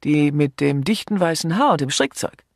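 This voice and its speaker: A man's voice: a little high, moderate pace, no echo, studio quality, voice pushed up, lightly acted. A man voicing a shrewd older chief inspector who plays the genial country type and answers evasively. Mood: jovial.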